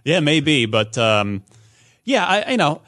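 A man hosting a casual video game news discussion, often repeating words as he thinks out loud. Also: a little high, big pitch swings, takes it slowly. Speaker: podcast host.

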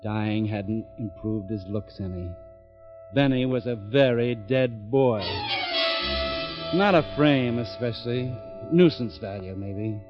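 Deadpan hard-boiled cop, clipped and dry; music bed, old lo-fi sound. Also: male voice, on the low side, takes it slowly. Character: tough, wisecracking homicide lieutenant. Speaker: police lieutenant and narrator. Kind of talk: 1950s radio drama. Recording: dull old radio recording with music.

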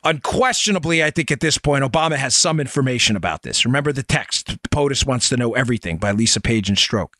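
A man's voice: mid-range voice, animated, fast talker, hardly any pauses, pushed and bright, dry recording, clean studio sound. A man hosting a political talk show in an emphatic, insistent monologue, firing rhetorical questions at his listeners.

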